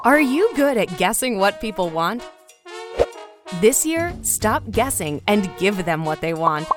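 A woman reads an ad slowly, with a lively, lilting melody to her voice. Clear music with brass plays behind her. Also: mid-range voice. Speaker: ad announcer. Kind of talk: scripted commercial read.

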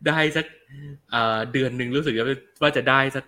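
A young adult man hosts a laid-back film review show, chatting in a loose, slangy way and reading out viewer questions and comments before answering them. His medium-pitched voice is bright, forceful and brisk.

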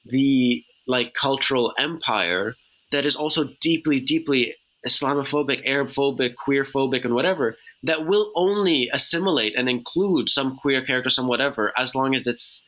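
A man's voice: mid-range voice, moderate pace, pushed and bright, low-quality recording. A man from Lebanon, a writer and podcast guest, talking reflectively and searching for words. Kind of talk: casual conversation.

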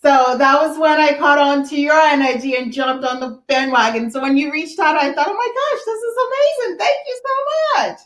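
A woman's voice: high-pitched, moderate pace, few pauses, a bit bright. A woman from Ghana, a guest talking upbeat and chatty about her work over a video call. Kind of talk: casual interview chat. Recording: echoey room.

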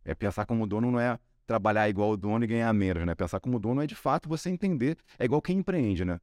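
A man from Rio de Janeiro speaks with a Carioca accent, rattling through his story at a quick clip. His voice sits a little low, and he keeps tossing in little tag questions. The sound is dry and close. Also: animated, a little mellow, no room sound. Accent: Carioca Brazilian Portuguese. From Rio de Janeiro, Brazil. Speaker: guest, sales executive. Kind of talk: casual podcast interview.

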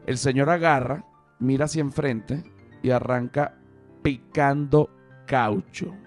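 A man's voice: medium pitch, fairly even intonation, slow, soft background music. Rambling man telling a story. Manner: rambling, profane, joking digressions. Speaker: podcast host. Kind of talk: casual storytelling monologue.

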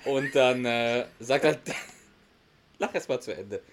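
A man's voice: medium pitch, slow, slight background noise. Guy on a podcast retelling a sitcom episode, keeps cracking up, does the characters' lines. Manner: laughs often, acts out the characters' lines while retelling. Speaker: podcast host.

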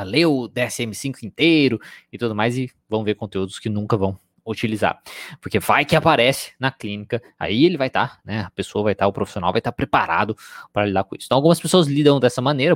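A psychologist with a Brazilian Portuguese accent teaches a live-streamed class in a conversational style, frequently adding tag questions. He talks fast in a fairly low voice, and the audio is clean studio sound with no room echo.

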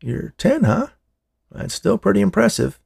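A man voicing a frail, kindly old man who speaks with gentle wonder in an audiobook story. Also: high-pitched, very animated, unhurried, gravelly, breathy edge, no echo, clean studio sound, pitched above the performer's own voice, full character voice. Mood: delighted, gentle.

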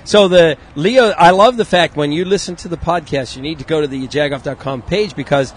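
A man's voice: fairly high pitch, a little fast, husky. A man hosting a podcast, asking questions and affirming his guests in a casual chat. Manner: upbeat, affirming interviewer. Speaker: podcast host.

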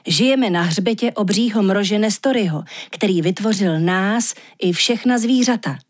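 A woman's voice: mid-range voice, dry recording, clean studio sound, lightly acted. Woman doing a grouchy blunt man. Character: grouchy, plain-spoken man.

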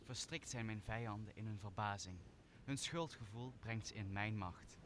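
A man's voice: fairly low pitch, normal speed, natural voice. A man acting a vengeful magician who commands spirits in a Shakespeare radio play, solemn and authoritative. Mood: commanding, satisfied. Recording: faint background noise.

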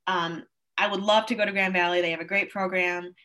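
A woman's voice: lowish voice, steady tone, a little fast, sharp tone. A woman of twenty-one, a college student, talking as an interview guest in an earnest, upbeat way. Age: 20s. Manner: earnest, upbeat, with frequent fillers. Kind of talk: casual interview conversation.

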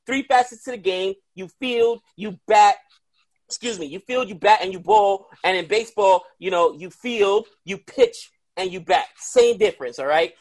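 A man from the Dominican Republic, a podcast guest on a video call, telling a story in animated, casual chat with loud outbursts. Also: sits high, normal speed.

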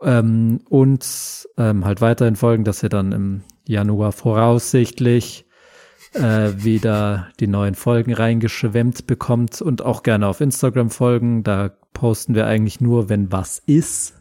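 A man's voice: lowish voice, fairly even intonation, a little slow, warm tone. A man co-hosting a podcast, talking in an informal, slangy chat style. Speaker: podcast co-host. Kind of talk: casual chat.

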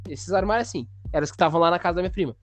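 A man's voice: sits high, racing. Slangy man. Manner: animated, slangy, acts out sounds and voices. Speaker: podcast host. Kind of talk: casual storytelling.

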